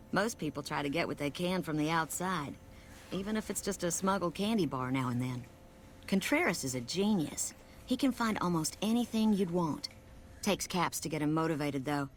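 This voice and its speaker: A woman's voice: deep voice, expressive, normal speed, slight background noise. A woman voicing a friendly, frank female character in a video game, chatty and direct.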